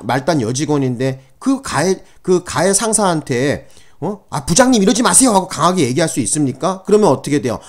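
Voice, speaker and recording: At a medium pitch, a middle-aged man delivers a criminal law lecture aimed at exam candidates. He keeps it conversational, using lots of fillers and repeatedly seeking his listeners' agreement.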